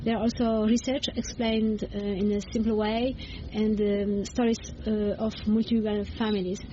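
A woman's voice: medium pitch, little pitch movement, moderate pace, dark tone. A native Polish woman with a Polish accent, explaining things as an interview guest and hesitantly searching for words. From Poland. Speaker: interview guest, bilingual education coach. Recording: dull sound with faint background noise.

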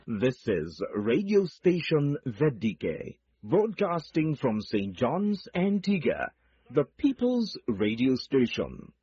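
Male station announcer heard over AM radio, formal ID read with an animated delivery, slightly raspy, muffled dry broadcast audio. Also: medium pitch, takes it slowly, dry recording.

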